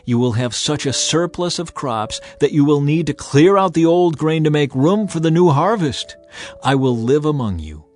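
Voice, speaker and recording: A man playing a stern, authoritative God in a dramatized scripture reading, speaking in a solemn, commanding, deliberate way. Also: on the high side, animated, a little mellow, faint music behind, natural voice. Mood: solemn, promising. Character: God of the Bible, stern, authoritative male lawgiver.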